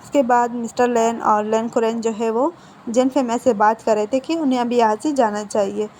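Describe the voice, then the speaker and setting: A woman retells a story in a casual, chatty way, stopping now and then to correct herself. Her voice sits high, with a mellow, soft tone and a faint hiss in the background. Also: fairly even intonation, normal speed. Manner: conversational, self-correcting. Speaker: story narrator.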